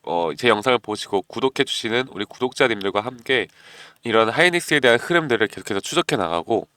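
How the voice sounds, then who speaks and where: A man hosting a stock market channel, talking persuasively to viewers and often clearing his throat because of a cold. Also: mid-range voice, animated, quick pace, sharp tone, dry recording. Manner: persuasive, keeps asking viewers "you know?". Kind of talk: stock analysis talk to viewers.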